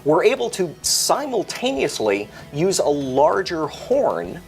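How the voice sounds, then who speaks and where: A man gives a technical tutorial with very varied, animated intonation. He explains things methodically and articulately as a product expert, over faint music. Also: fairly high pitch, takes it slowly.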